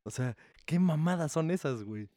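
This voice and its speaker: Dark-voiced, joking man. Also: on the high side, expressive, moderate pace, no echo, clean studio sound, faint music behind. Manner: crude, joking, vulgar. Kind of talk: casual chat.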